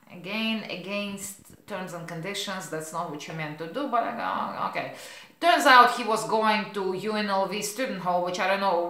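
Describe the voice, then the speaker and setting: With a Russian accent, a woman speaks at medium pitch and a fairly quick pace, with ordinary pitch variation. Audible room echo and noticeable background noise surround her. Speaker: rideshare driver vlogger. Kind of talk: casual storytelling vlog. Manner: halting, repeats words.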